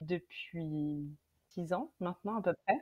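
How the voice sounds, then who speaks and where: A woman with lively intonation. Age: 30s. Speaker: entrepreneur, board game creator. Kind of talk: podcast interview. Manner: casual, many hesitations.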